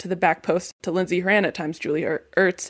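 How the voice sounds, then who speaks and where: A woman with a normal speaking voice, medium pitch and a fairly quick pace. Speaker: football podcaster and reporter. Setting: remote call from Auckland.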